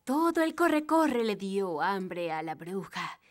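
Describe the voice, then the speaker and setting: A woman playing a fairy mother with a Latin American accent, narrating a children's story dramatically and deliberately in a cartoon dub. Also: medium pitch, very animated. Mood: dramatic.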